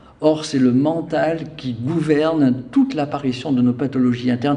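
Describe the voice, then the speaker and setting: A man talks at a fairly slow pace. There is noticeable background noise. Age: 60s. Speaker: Chinese medicine practitioner. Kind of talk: interview.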